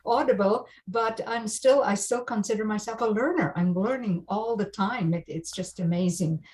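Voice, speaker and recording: A woman's voice: medium pitch, normal speed, darkish tone, low-quality recording. A woman from South Africa whose first language is Afrikaans, an audiobook narrator chatting as a guest over a video call, thoughtful with small restarts. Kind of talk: casual video call chat.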